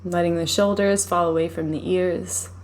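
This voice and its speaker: Low-voiced woman guiding a meditation. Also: fairly even intonation, low-quality recording. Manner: soothing, unhurried, gently instructive. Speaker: guided meditation teacher. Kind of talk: guided meditation, live session.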